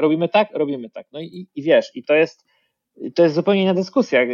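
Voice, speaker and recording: A man with a high pitch talks at a very fast pace. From Poland, near Warsaw. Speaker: software engineer. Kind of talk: casual interview. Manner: halting, many fillers.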